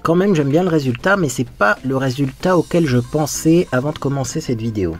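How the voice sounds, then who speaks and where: A man's voice: medium pitch, animated, a little fast, soft background music. A man talking through his makeup as he applies it, in a frank, chatty get-ready-with-me style, often thinking aloud. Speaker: makeup vlogger. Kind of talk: casual get-ready-with-me commentary.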